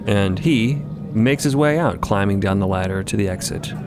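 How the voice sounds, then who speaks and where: A man's voice: on the low side, normal speed, noisy background. A man narrating an audio fiction story in an informal storytelling style. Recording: music bed behind voice.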